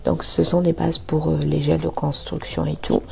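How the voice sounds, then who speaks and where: Slow gravelly woman doing a nail tutorial voice-over, lots of euhs, kinda low and dark. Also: level tone. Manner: hesitant, many fillers, soft asides half-whispered. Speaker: nail artist reviewing products. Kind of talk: product review and tutorial voice-over.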